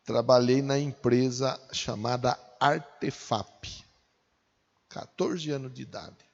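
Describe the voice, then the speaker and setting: A man's voice: mid-range voice, steady tone, slow pace, gravelly. A Brazilian man in his forties preaching a sermon in a conversational way, asking his listeners rhetorical questions. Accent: Brazilian Portuguese. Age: 40s. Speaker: pastor. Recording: dull, echoey hall.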